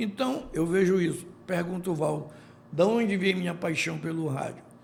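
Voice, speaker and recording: A man's high pitch with ordinary pitch variation, plus audible room echo. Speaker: sports journalist. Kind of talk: podcast interview.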